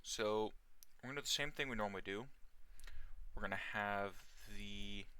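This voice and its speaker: A man giving casual, unhurried let's play commentary in a slightly hoarse, sore voice, recorded as a voice-over. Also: lowish voice, pushed and bright. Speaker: host of a video game series. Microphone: close dry mic, gameplay voice-over.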